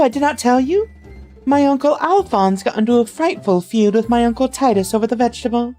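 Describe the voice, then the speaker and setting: A woman voicing an excitable young maid who chatters eagerly about household gossip. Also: fairly high pitch, voice pushed up, natural voice.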